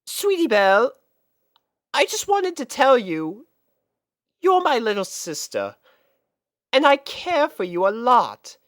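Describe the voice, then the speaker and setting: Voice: mid-range voice, wildly swooping pitch, takes it slowly, pauses often, a bit bright, dry recording, clean studio sound, pitched above the performer's own voice, heavily acted. A narrator voicing a caring young female pony, a refined and tender big sister in a storybook reading. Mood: tender, wistful.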